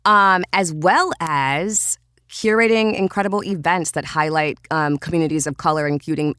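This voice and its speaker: A woman with a Trinidadian accent, chatting as a voiceover guest in an animated way, often restarting her sentences. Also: lowish voice, no room sound, clean studio sound. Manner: animated, quick, with frequent restarts and fillers. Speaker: voiceover artist and podcast guest. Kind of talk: casual interview talk.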